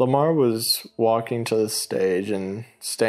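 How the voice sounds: Reading in a natural voice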